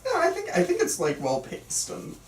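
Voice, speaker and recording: Young man, animated intonation, agreeable casual chat, off-mic, roomy echo, faint ambient noise. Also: extremely high pitch, moderate pace. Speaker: student film cast member. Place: indoor room at a group table read. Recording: echoey room, distant mic, noisy ambience.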